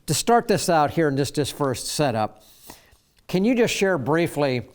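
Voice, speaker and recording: Slightly high-voiced talk show host. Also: male voice, very animated, unhurried. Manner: reads a letter aloud, then interviews with fillers. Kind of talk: broadcast talk show hosting.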